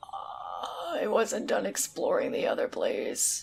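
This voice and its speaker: A put-on character voice comes through raspy and at an extremely high pitch. The pace is very slow. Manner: groaning.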